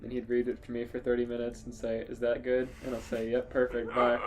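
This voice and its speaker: A man's voice: medium pitch, completely flat delivery, fairly quick. A man co-hosting a podcast in casual comedic chat. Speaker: podcast co-host. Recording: faint music behind the voice. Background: faint music.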